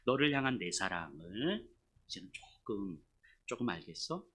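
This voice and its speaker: A deep, hushed divine voice, low and tender, gently chiding with love, as a preacher puts it on. It speaks softly and unhurried, well below the preacher's own bright tone. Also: male voice, sing-song. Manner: soft, tender, gently reproachful. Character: gentle loving God, deep and quiet, male.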